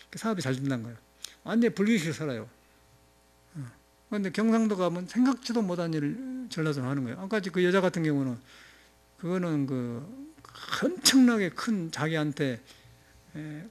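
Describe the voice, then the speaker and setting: A male monk speaking with a Jeolla accent delivers an informal sermon in a loose, wandering way. His voice sits a little higher than most men's, and he breaks into chuckles and filler sounds as he talks. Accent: Jeolla Korean. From Jeolla, South Korea. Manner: rambling, conversational, frequent chuckles and filler sounds. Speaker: Buddhist monk giving a dharma talk.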